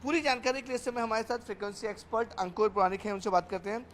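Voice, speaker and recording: A man's voice: high voice, steady tone, racing. A man reporting for television news, explaining things on camera in an emphatic way and repeating phrases as he goes. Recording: clear background noise.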